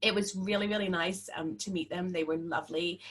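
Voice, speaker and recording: A woman's fairly low voice with an Irish accent and fairly even intonation. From Ireland. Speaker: wrestling vlogger. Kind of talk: casual vlog monologue. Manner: unscripted, informal.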